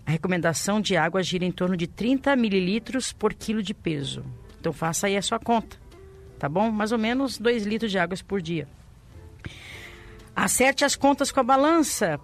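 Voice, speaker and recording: A woman with a Brazilian accent co-hosting a radio show, chatting and explaining things in a casual way. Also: medium pitch. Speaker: radio co-host. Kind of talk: casual radio chat with health tips. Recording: music under the voice. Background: background music.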